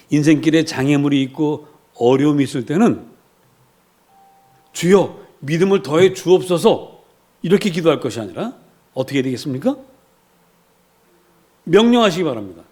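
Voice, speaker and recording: A man's voice: a little high, darkish tone. A male pastor preaching a sermon in a church, telling stories animatedly, acting out quotes and having the congregation repeat after him.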